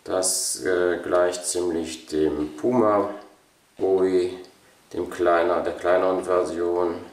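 A man presenting a collection as a channel host, unscripted and casual, haltingly thinking aloud. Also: sits low, fairly even intonation. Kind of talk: casual product showcase, unscripted. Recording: roomy echo, distant microphone.

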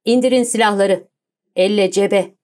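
A woman reading the lines of a suave, commanding gentleman thief in an audiobook, cool and self-assured. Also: medium pitch, fairly even intonation, moderate pace, close to an everyday voice. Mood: calm, commanding.

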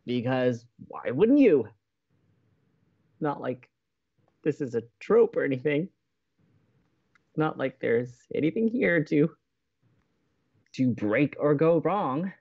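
A woman's voice: sits low, big pitch swings, slow, gravelly, long pauses, breathy edge, muffled recording, exaggerated voice. A woman playing an easily exasperated young college radio co-host in an audio drama, with an emphatic, melodramatic manner. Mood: hurt, sarcastic.

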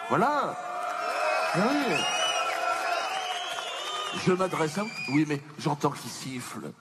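Man doing a pompous, wildly animated stand-up slave-owner character. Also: on the high side, takes it slowly, over a noisy crowd. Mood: aggrieved, pompous. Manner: theatrical, indignant, mock-dignified, swinging to shrieked protests. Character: self-pitying, pompous slave owner from the colonial past. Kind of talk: punchy stand-up comedy character monologue. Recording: noisy live theatre stage recording.

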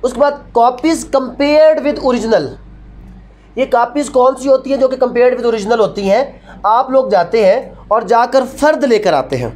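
Pakistani lady law teacher, highish voice, keeps asking questions then answering them, drops in english terms. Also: measured pace, darkish tone. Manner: didactic, asks rhetorical questions and answers them; mixes Urdu with English legal phrases. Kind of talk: classroom lecture.

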